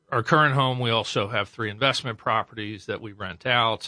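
A man talks at a moderate pace and medium pitch, with fairly even intonation. His tone is bright and sharp, and the background is quiet. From US Midwest, Westerville, Ohio. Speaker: real estate brokerage principal. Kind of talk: radio interview. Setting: studio.

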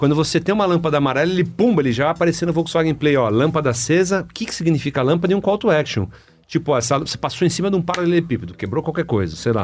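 A man speaks at a very fast pace with a fairly high pitch. His intonation is lively, with vocal fry. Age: 40s. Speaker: automotive executive. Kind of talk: casual interview.

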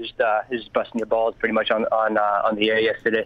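Over noticeable background noise, a man in a Boston accent speaks very fast at a medium pitch with monotone, flat intonation. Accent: Boston-area New England. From Massachusetts (Haverhill). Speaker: caller. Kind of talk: call-in chat.

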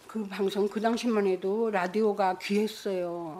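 Fairly high in pitch, this woman's voice has a dark, mellow tone. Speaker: war survivor. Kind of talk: interview testimony.

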